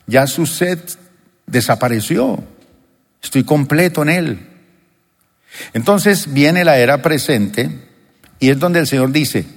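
Hombre predicando en una sala con eco. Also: male voice, on the high side. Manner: emphatic preaching, rhetorical questions to the congregation. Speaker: pastor. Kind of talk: sermon. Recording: long reverb of a church hall.

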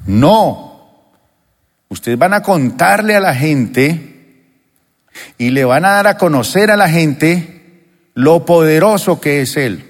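A man's voice: fairly high pitch, expressive, takes it slowly, long pauses. A male pastor preaching with emphasis, asking his congregation question after question. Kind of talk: sermon. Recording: long reverb of a church hall.

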